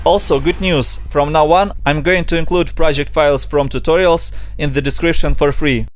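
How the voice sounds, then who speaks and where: A young man from Ukraine with a Ukrainian accent, calmly talking through a software tutorial step by step. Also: fairly high pitch, normal speed. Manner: steady step-by-step instructions in non-native English. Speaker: motion design tutor. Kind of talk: screen-recorded software tutorial.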